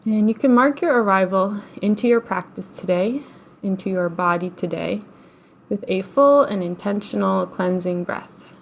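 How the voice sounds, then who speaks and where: A woman with a mid-pitched voice guides a relaxation practice. She gives soft, patient instructions in short phrases, leaving generous pauses between them. Her delivery is soothing and never hurried. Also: gravelly, a little hiss or hum. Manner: gentle, unhurried, soothing with long pauses. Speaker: guided relaxation and meditation teacher. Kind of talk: guided meditation, slow instruction.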